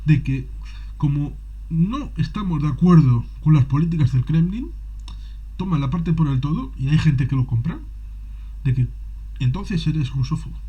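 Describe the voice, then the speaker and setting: Dark husky man, sarcastic and animated. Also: on the high side, moderate pace, long pauses. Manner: sarcastic, animated storytelling with mock quotes. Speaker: conversation guest. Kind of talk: casual conversation. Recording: dull lo-fi audio.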